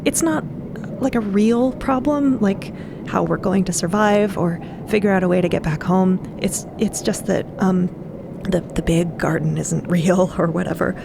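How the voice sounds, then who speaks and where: A woman acts out a young female adventurer, anxious and tired but sweet. The voice lifts high and catches with creak as the words come out hesitantly and earnestly, like an audio drama heroine trying to cope. There is a clear layer of ambient noise behind it. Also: unhurried. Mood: nervous, flustered.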